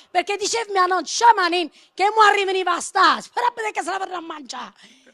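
In a very clean recording with a silent background, a woman raises and projects her extremely high-pitched voice, sounding animated, bright and sharp at a fairly quick pace. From Matera, southern Italy. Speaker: comedic performer. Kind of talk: casual interview.

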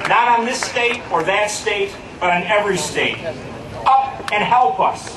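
The speech comes at a very slow pace over noticeable background noise. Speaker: rally speaker. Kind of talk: rally speech. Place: open country.

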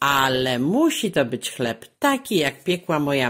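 A woman speaks very slowly in a very deep, low voice with very wide pitch swings, recorded very cleanly against a silent background. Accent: Świętokrzyskie. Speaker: author of dialect tales. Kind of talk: dialect storytelling.

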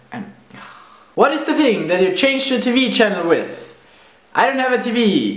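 A man with a German accent speaks at an extremely high pitch. Room echo is audible. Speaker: vlogger. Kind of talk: casual talk to camera. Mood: playful, amused. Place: home room. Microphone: webcam.

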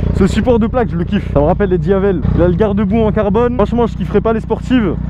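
A man at a very fast pace, dry with no echo, amid noticeable background noise. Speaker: motorbike vlogger. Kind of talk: casual vlog chat. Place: street.

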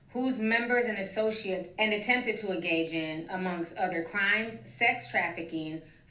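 A woman talks at a moderate speed, her pitch varying in an ordinary way, as echo from the room is audible. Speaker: reaction commentator. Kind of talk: reading document aloud with commentary. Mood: shocked, wry asides. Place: home room.

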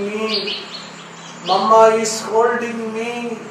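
A soft-spoken man with a high pitch talks at a very slow pace in a soothing tone, with strong room echo and light background noise. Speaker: priest leading meditation. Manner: slow, soft, soothing, repetitive and measured. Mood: calm, soothing, repetitive. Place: hall.

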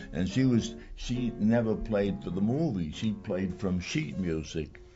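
Faint music plays behind a man with a New York accent who speaks at a very slow pace with lively intonation. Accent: old New York. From New York City. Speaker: retired silent movie pianist. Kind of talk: oral history interview. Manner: animated storytelling. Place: home room.

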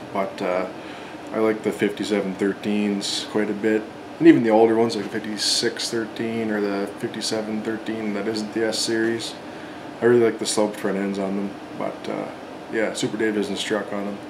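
Noticeable background noise sits behind a man talking at a fairly quick pace. His pitch is fairly low, with monotone, flat intonation. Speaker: farmer vlogger. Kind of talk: casual vlog chat. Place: home room. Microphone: phone near.

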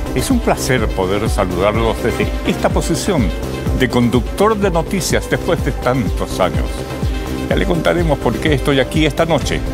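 A man at a moderate pace, with clear music in the background. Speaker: retired television news anchor. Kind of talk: television news anchor delivery. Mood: warm, smiling. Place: studio.

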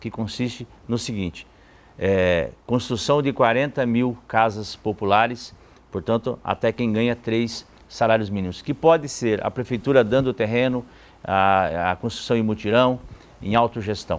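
A man talks at a moderate pace and a medium pitch with ordinary pitch variation. He has an ordinary speaking voice. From São Paulo periphery, Brazil (early childhood in rural Paraná); São Paulo state, Brazil. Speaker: mayoral candidate, politician; candidate. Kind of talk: campaign livestream interview. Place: studio. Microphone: lapel.

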